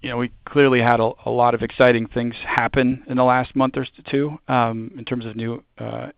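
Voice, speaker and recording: A man speaking as a company executive on an earnings call, informal and halting as he answers. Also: mid-range voice, level tone, creaky, no room sound. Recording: muffled conference call audio.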